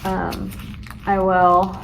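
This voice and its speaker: A young woman chats casually to her camera, rambling through her plans with plenty of fillers. Her voice sits at a middling pitch with a noticeable gravelly fry. She talks as a first-year teacher, first from her car and then from her classroom. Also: monotone, extremely slow, a little hiss or hum. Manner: chatty, rambling, with many fillers. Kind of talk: casual vlog chat.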